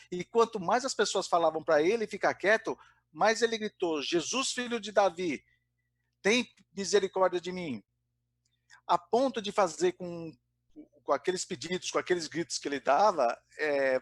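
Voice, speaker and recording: A man's voice: fairly high pitch, dry recording. A man giving an informal spiritist talk, often hesitating and restarting his sentences. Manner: hesitant, many fillers and restarts. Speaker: spiritist study speaker. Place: Brazil.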